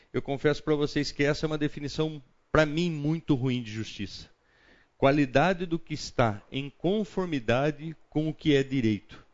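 A man's voice: mid-range voice, muffled recording. A Brazilian man leading a Bible study: he prays, then teaches in a chatty way, thinking aloud and often checking in with the group. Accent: Brazilian Portuguese. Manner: chatty, thinks aloud, frequent tag questions. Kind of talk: opening prayer, then conversational teaching.

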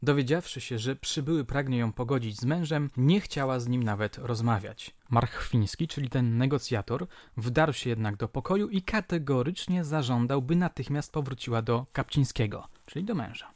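A man's voice: medium pitch, normal speed, few pauses, darkish tone, no echo, studio quality. A man hosting a true-crime podcast, reading old newspaper reports aloud in scripted, theatrical narration and putting rhetorical questions to his listeners. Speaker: podcast host.

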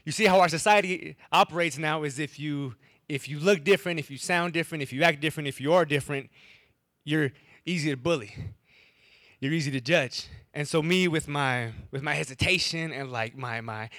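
A man's voice: a little high, sharp tone, no echo, clean studio sound. A young man from Wisconsin telling a personal story to an audience, with a stutter that repeats words and cuts off syllables.

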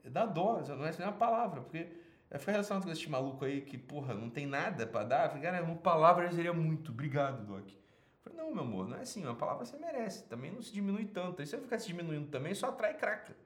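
A man's voice: a little high, big pitch swings, very fast, roomy sound. A man with a Brazilian Portuguese accent who hosts an advice show, answering a listener's email in a blunt, casual monologue full of swearing. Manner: blunt, swears often, emphatic.

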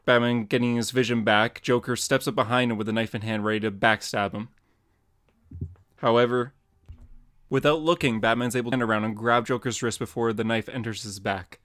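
A man's voice: medium pitch, steady tone, a little fast, fairly bright tone. A man co-hosting a podcast, narrating comic panels in plain, descriptive tones. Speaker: podcast co-host.

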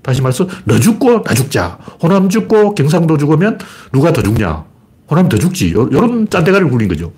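Blunt, animated middle-aged male commentator. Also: a little high, fairly quick. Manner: blunt, colloquial, asks and answers his own questions. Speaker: livestream host. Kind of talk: solo political commentary livestream.

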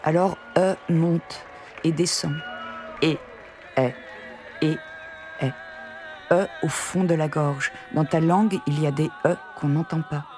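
A woman narrating her own poetry in a measured, lyrical spoken-word delivery. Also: low voice, steady tone, warm tone, soft background music. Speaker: poet narrator.

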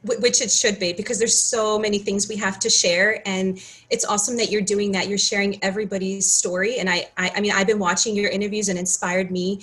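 A woman's voice: medium pitch, little pitch movement, fairly quick, few pauses, a bit bright, rough recording. A woman in her thirties from Ukraine, a pharmacist guest chatting in an interview, earnest and given to restarts. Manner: earnest, restarts often, many "you know"s. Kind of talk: casual interview chat.

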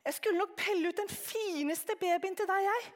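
A woman's voice: extremely high pitch, voice pushed up. A woman voicing a small, curious, cheeky boy who keeps asking questions. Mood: eager. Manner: eager, questioning.

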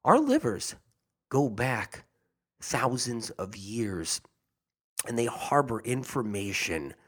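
A man's voice: medium pitch, big pitch swings, takes it slowly, husky. A man talking casually and earnestly to his audience about health, rambling and often repeating himself. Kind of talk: casual monologue.

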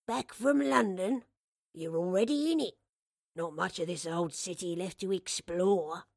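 A woman's voice: lowish voice, a little slow, vocal fry, a little mellow, no room sound. Elderly male shopkeeper, played by a woman, storybook. Fond, playful, old-fashioned grumbler. Dry recording. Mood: fond, teasing. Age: older. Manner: old-fashioned British turns of phrase, fond and teasing. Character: kindly elderly male map-shop keeper, playful and grumbling.

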